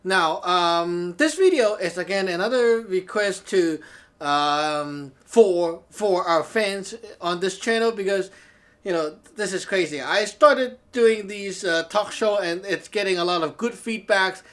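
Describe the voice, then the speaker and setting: Speaking a little slowly in a high, slightly bright voice, this man is a Taoist teacher and show host from Hong Kong whose first language is Cantonese. Addressing the camera in a relaxed talk show monologue, he's chatty, laughs a lot, and repeatedly checks "okay?"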